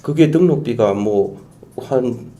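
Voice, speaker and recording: A middle-aged man, a guest expert, explaining in an animated way on a talk show, with quiet asides and emphatic bursts. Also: medium pitch, slow pace, slight background noise.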